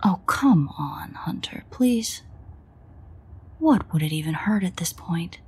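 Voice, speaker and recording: A woman playing a foul-mouthed, teasing but protective female vampire in an audio drama, with a hushed, breathy, near-whispered delivery. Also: fairly low pitch, expressive, slow, heavily acted. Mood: irritated, insistent. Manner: sardonic, swearing, coaxing. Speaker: audio roleplay voice actor. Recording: faint ambient noise, rain.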